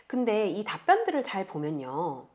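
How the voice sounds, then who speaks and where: A woman's voice: mid-range voice, huge pitch swings, moderate pace. A woman instructor patiently walking beginners through a tutorial step by step in a friendly way. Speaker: online instructor. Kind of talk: screen-recorded tutorial narration.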